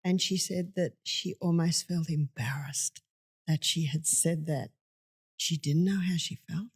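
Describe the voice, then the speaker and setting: Older woman, lowish voice, emphatic storyteller, conversational guest. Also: a little slow, breathy edge. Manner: emphatic storytelling with acted quotes. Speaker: health speaker. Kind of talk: conversational interview.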